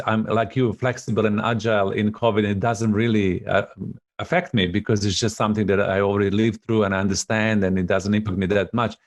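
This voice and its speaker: A middle-aged man from Serbia, hosting a reflective coaching conversation over a video call in an earnest, emphatic way. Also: fairly low pitch. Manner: earnest, emphatic, repeats for stress. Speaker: host, coach.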